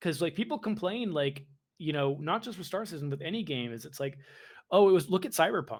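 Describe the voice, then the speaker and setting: A man speaks with a high pitch. The recording is very clean, with a silent background. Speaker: podcast co-host, gamer. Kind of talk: casual chat.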